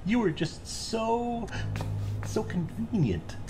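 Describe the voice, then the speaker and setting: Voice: mid-range voice, sing-song, slow pace, over music, poor audio. An actor in an audio drama playing a chatty, self-righteous serial killer who believes angels guide the work, with a breezy, casual manner. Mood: casual, probing. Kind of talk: full-cast audio drama acting. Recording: faint background noise and ambience.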